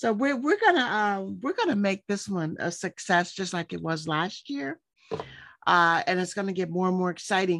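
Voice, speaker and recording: The recording is very clean, with a silent background. A woman with an unremarkable speaking voice talks at a medium pitch and a moderate pace, with ordinary pitch variation. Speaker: gardening podcast host. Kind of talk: casual interview intro and chat.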